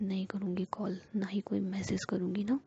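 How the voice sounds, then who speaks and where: A woman's voice: medium pitch, flat delivery, moderate pace, vocal fry, noisy background, lightly acted. Stern, sulking young woman, voiced by a woman narrator, curt half-whisper, muffled recording. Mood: angry. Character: strict, sulky young woman, bossy and stubborn. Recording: dull lo-fi recording.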